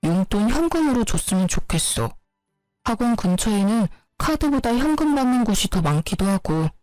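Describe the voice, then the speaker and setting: A woman voicing a defensive young husband who answers flatly and matter-of-factly, in a storybook drama. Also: medium pitch, normal speed, no echo, soft background music, close to an everyday voice, rough recording. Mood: placating. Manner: flat, matter-of-fact replies.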